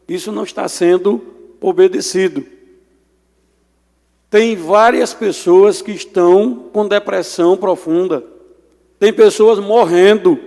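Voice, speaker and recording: A legislator with a high, gravelly voice speaks in formal, indignant tones. His words are deliberate and serious. The long reverb of a large chamber surrounds them. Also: a little mellow. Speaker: state legislator. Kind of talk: parliamentary floor speech.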